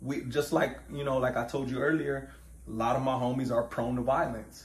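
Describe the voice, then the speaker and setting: Fairly even intonation marks this man's medium-pitched voice. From Tucson, Arizona; Arizona. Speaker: podcast guest, formerly incarcerated; podcast guest. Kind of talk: casual interview chat. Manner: articulate. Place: home room. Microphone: lapel.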